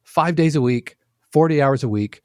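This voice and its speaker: A man's voice: on the high side, moderate pace, dry recording, clean studio sound. Chatty man explaining with restarts. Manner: animated, analogy-driven explaining with many restarts. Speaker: podcast guest, production music composer. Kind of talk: casual conversational interview.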